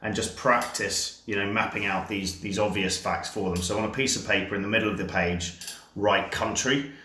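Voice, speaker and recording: A man's voice: on the low side, moderate pace, pushed and bright, echoey room, slight background noise. A man working as a dating coach, explaining things step by step in a chatty, casual way with lots of fillers. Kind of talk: casual instructional podcast chat.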